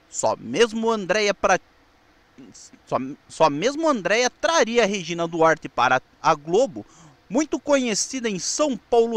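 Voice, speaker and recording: A Brazilian man with a notably high voice narrates from a script. His intonation swings in a lively way, and the reading is slightly halting. The sound is dry and close, with very little room. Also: no echo. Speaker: presenter of a TV history show. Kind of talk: scripted narration about television history.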